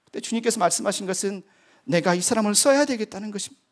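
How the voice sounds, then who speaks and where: A man's voice: sits high, fast talker. A middle-aged man, a missionary, giving a sermon testimony with earnest, vivid storytelling. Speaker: missionary preacher.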